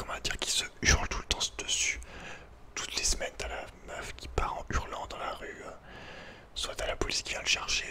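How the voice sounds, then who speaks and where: A man whispering in a breathy, unvoiced voice, chatting informally and hesitantly in ASMR style. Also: sharp tone. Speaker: ASMR video creator. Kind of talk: whispered ASMR, casual rambling chat.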